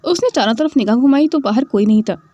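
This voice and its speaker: A woman narrating a scripted audio story in an expressive, dramatic way. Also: a little high, fast, dry recording, muffled recording.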